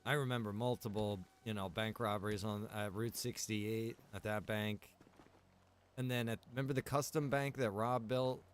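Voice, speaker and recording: A man's voice: on the low side, steady tone, moderate pace, soft background music. A man streaming a game, talking in a casual, informal, reminiscing way. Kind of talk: casual chat while streaming roleplay game.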